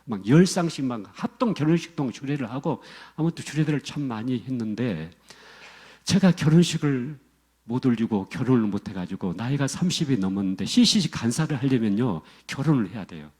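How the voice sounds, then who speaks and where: A man's voice: medium pitch, expressive, brisk, darkish tone, slightly rough. A middle-aged male pastor preaching a sermon to his congregation, emphatic and repetitive, often calling out to the listeners directly.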